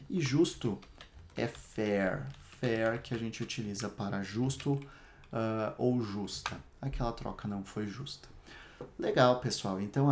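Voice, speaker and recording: Brazilian guy teaching english real slow, says each word one at a time so you repeat it. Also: mid-range voice, a little hiss or hum. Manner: repeats words one at a time for the learner to echo. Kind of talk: slow step-by-step language lesson.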